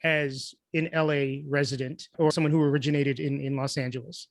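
A man's voice: fairly high pitch, flat delivery, a little fast, no echo. A man with an American accent hosting a casual podcast interview, speaking informally with somewhat hesitant phrasing. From Kentucky, United States.

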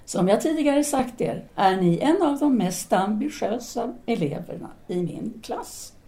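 A woman's voice: fairly high pitch, lively intonation, dark tone. A woman acting in an audio drama as a self-assured female philosophy teacher in 1930s Paris, speaking in an articulate, formal, didactic way. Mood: confident, probing.

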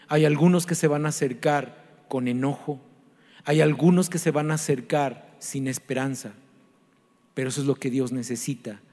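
A man preaching a sermon as a pastor, earnest and pleading, repeating questions to his listeners. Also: fairly high pitch. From Mexico. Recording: long reverb with soft music behind.

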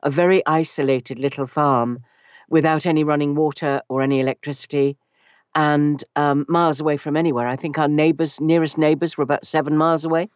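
A British woman from Wales whose first language was Welsh, speaking as an interview guest with a wry, measured way of telling stories. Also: low voice, fairly even intonation, smooth, dry recording. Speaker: guest, actor and narration coach. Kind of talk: relaxed interview chat. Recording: dull lo-fi dry sound.

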